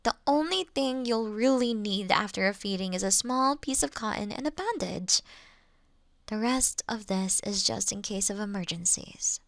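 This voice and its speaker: A woman playing a polite, reassuring vampire who looks like a child, speaking gently to the listener in an audio roleplay. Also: mid-range voice, expressive, moderate pace, creaky, no echo. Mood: reassuring, businesslike. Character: childlike-looking ancient female vampire, polite, reassuring, mildly wry.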